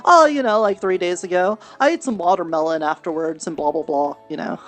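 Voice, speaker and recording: Female roleplayer with a slightly low voice, earnest and chatty in character, light music underneath. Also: a little fast. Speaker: streamer and roleplay player. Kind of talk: improvised in-character fantasy roleplay chat. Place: online virtual reality session.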